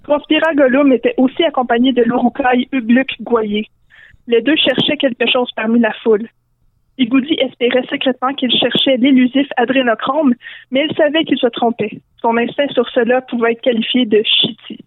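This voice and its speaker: A woman with a Québécois French accent narrating a comic story in a lively way. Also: on the high side, moderate pace, no echo. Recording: dry narrow phone-line sound.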